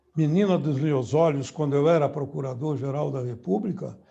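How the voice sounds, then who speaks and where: A man's fairly high-pitched voice, somewhat breathy with a dark, mellow tone. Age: 70s. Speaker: former chief public prosecutor. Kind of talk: interview. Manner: measured.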